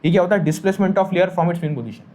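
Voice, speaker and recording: High-voiced male physics teacher, repetitive. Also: normal speed, mellow. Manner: repeats key phrases, checks understanding often; mixes Hindi with English terms. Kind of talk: classroom lecture.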